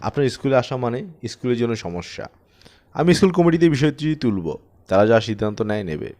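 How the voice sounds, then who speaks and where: A man's voice: mid-range voice, sing-song, fairly quick, darkish tone, lightly acted. Guy reading as fed up school headmaster, cold and sarcastic, mid voice, swings a lot. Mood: stern dismissal. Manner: cold, curt, scolding. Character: stern, exasperated, sarcastic male school headmaster.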